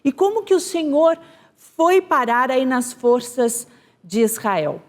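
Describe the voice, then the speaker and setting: A woman's voice: high voice, very animated, slow. A woman news anchor presenting and interviewing a guest in a formal, polished manner.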